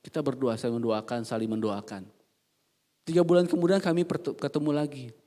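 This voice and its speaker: A pastor with a mid-range voice preaches briskly at a church service, keeping things funny and energetic as he questions the congregation and moves between quiet side comments and loud bursts of emphasis.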